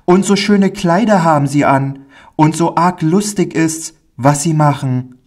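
A man's voice: unhurried, darkish tone, lightly acted. A man putting on a shy little boy. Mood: anxious, eager. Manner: high, pleading, childlike.

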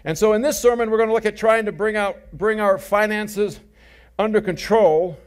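A man's voice: high voice, moderate pace, smooth. A middle-aged male pastor preaching a sermon, telling stories with jokes and repeating his key phrases.

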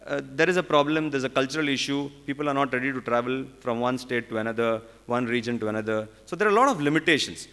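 A man in his forties with an Indian English accent speaks at a conference podium. He talks haltingly, with many "uh"s and restarts. A long reverb from the big hall trails behind his voice. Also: mid-range voice, a bit bright, clean tone. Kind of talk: conference panel talk. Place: large conference hall on stage. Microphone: podium microphone.

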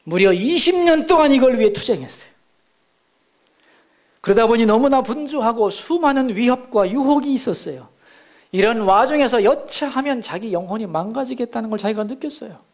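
Animated high-voiced Korean pastor preaching. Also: male voice, normal speed. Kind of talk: sermon. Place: church sanctuary.

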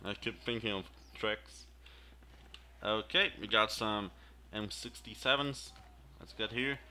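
A man talking casually while he plays a shooter, echoing the instructor's words back and reacting as he goes. He speaks slowly, with a sharp, bright edge to his voice, and a faint hiss sits under the recording. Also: fairly low pitch. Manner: muttering reactions, repeating in-game lines. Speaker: gameplay video host. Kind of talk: casual gameplay commentary.

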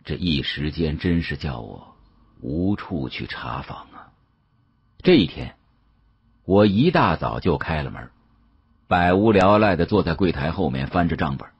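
Male audiobook narrator, raspy and animated, colloquial dramatic storytelling, muffled dry sound. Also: deep voice, dry recording. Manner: colloquial, expressive. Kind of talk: dramatic first-person storytelling.

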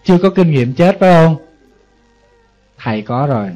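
Southern Vietnamese monk giving a sermon. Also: male voice, on the high side, expressive, moderate pace, mellow. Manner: conversational, asks the audience rhetorical questions. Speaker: Buddhist monk, teacher. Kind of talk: Buddhist sermon. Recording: dull lo-fi audio, faint music behind.

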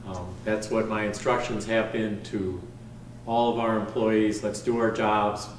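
A man chairing a council meeting as mayor, giving a formal update in a measured way with frequent ums. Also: fairly low pitch, flat delivery. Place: wood-paneled council chamber. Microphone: desk microphone from a far camera. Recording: roomy chamber, distant mic, faint hiss.

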